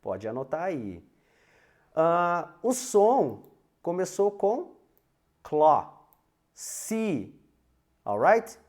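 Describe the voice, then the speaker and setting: A man's voice: fairly high pitch, big pitch swings, drawn-out words, long pauses, a little mellow. A Portuguese-speaking man teaching an English grammar lesson, having students repeat phrases after him and tagging lines with "né?" and "alright?".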